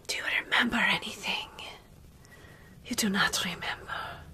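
A woman in her thirties whispering slowly and soothingly in an ASMR roleplay, playing a caring, centuries-old vampire close to the microphone. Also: medium pitch. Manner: soothing, hushing, slow and deliberate.

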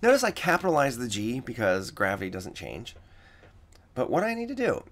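A man with a slightly raspy voice teaching coding in a screen-recorded tutorial, explaining each step and repeating the key points. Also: medium pitch, wildly swooping pitch, normal speed, a bit bright.

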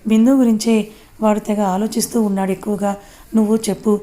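A woman's voice: medium pitch, level tone, fast talker, mellow, close to an everyday voice. A woman voicing a worried young man who scolds and pleads with his friend.

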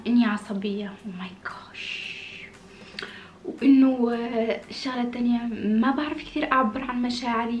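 A woman's voice: fairly high pitch, reverberant, slight background noise. A woman in her late twenties chatting casually and expressively as she answers viewer questions in a small room. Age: late 20s. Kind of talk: casual chat. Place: small indoor room with red curtains.

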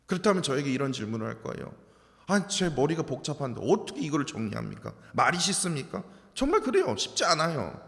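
High-pitched, animated man preaching. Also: fast talker. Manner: animated preaching with rhetorical questions, sudden drops to near-whisper. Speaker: pastor. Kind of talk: sermon. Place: church sanctuary. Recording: long hall reverb.

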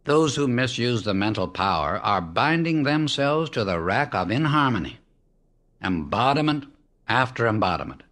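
A man reading a spiritual book aloud as an audiobook narrator, in a measured, emphatic way that slows down on key words. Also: medium pitch, sing-song, a bit bright. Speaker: audiobook reader. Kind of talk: solemn scripted reading of spiritual teachings.

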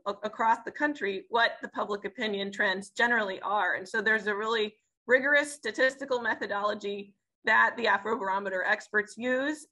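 A woman's voice: medium pitch, pushed and bright, low-quality recording. A woman in her thirties moderating a panel discussion on a video call, articulate but with frequent "um"s and repeated words. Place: indoors, in front of a branded backdrop. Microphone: video call webcam.

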